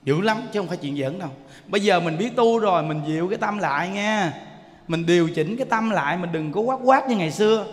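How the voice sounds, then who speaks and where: A man's voice: high voice, fast, in a large hall. A man with a Southern Vietnamese accent giving a Buddhist dharma talk as a monk, telling stories with jokes and speaking straight to his audience. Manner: lively, joking storyteller addressing the audience. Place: temple lecture hall.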